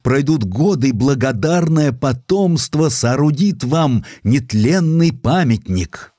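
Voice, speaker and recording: A man's voice: mid-range voice, lively intonation, takes it slowly, mellow, no echo, studio quality, pitched above the performer's own voice. A man voicing a hearty, affectionate old baron and seafarer in a historical audio play. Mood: warm, solemn.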